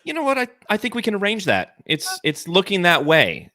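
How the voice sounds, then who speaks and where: A man hosting a sports podcast, hyping up his team with playful banter and drawn-out emphasis. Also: sits high, huge pitch swings, bright, forceful tone, no echo, studio quality. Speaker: podcast host.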